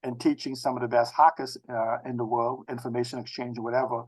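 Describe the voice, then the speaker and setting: A man in his sixties from the Bahamas with a Bahamian accent, talking as an interview guest in a halting, circling way with repeated phrases. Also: mid-range voice, flat delivery, darkish tone, poor audio. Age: 60s. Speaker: interview guest, technology expert. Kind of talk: conversational autobiographical interview talk.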